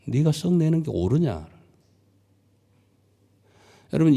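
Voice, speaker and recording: Male pastor, dramatic sermon delivery, wide-ranging pitch, mid-range voice. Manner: animated, dramatic, drops to near-whispers. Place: church sanctuary.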